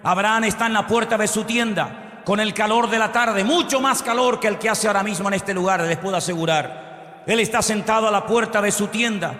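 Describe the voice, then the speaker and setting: Male pastor, high bright voice, emphatic sermon, echoey church hall. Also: fairly quick. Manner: emphatic preaching with call-and-response questions and dramatized quotes.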